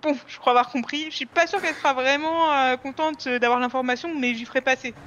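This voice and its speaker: Fast-talking, bright-voiced woman in game roleplay. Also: high-pitched, fairly even intonation, muffled recording. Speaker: roleplayer playing an officer. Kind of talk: in-character game roleplay conversation. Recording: noisy game voice chat.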